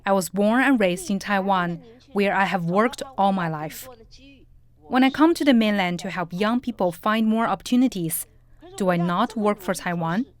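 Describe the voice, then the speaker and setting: A woman reading an English voice-over translation with a steady, even delivery. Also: medium pitch, moderate pace. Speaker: interpreter voice-over.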